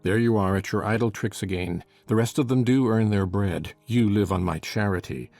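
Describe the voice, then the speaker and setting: A man voicing a harsh, scornful middle-aged master of a house, with soft music underneath. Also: lowish voice, moderate pace, no echo, pitched below the performer's own voice, natural voice. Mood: contemptuous. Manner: scornful, snarling.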